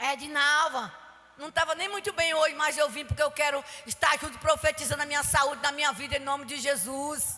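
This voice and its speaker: A woman uses a raised, projected voice at a high pitch. She keeps a moderate pace. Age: 60s. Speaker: pastor. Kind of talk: sermon. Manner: fervent, with frequent hallelujahs.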